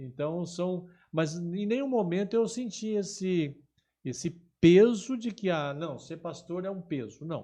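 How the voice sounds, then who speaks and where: In a quiet background, a man with a high pitch and a dark, mellow tone speaks fairly slowly with lively intonation. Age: 60s. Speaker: retired pastor. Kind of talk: podcast interview.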